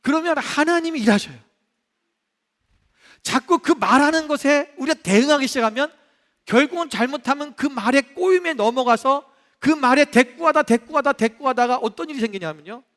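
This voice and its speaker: A male pastor preaching a sermon in a church, animated, acting out the voices he quotes. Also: extremely high pitch, moderate pace. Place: church sanctuary. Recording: long reverb of a church hall.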